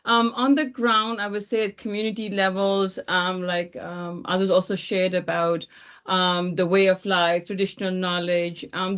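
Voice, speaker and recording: A woman from Thailand speaking off the cuff as a webinar panelist, haltingly, often rephrasing and circling back. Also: mid-range voice, a bit bright. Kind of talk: extemporaneous panel remarks. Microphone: video call. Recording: dull lo-fi video call.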